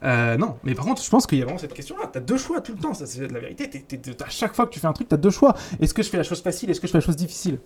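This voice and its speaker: A man's voice: on the high side, sing-song, racing, few pauses, darkish tone, breathy edge. A man giving a blunt, casual motivational talk as a 3D teacher, full of crude slang and restarts. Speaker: YouTube 3D teacher.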